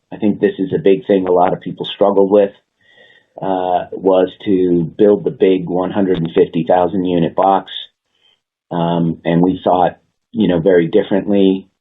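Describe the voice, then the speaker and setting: A man with a very low, somewhat husky voice gives prepared executive remarks. He is measured and businesslike, making short, emphatic statements. The sound is thin and muffled, like a conference phone line. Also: level tone. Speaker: company executive. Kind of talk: prepared earnings call remarks. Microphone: conference call line.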